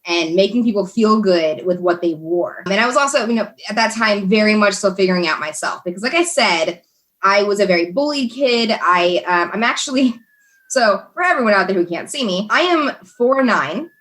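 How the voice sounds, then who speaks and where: A woman's voice: medium pitch, lively intonation, normal speed, fairly bright tone. A woman from Texas, a podcast guest telling her life story in an earnest, chatty way with many fillers. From Texas, USA.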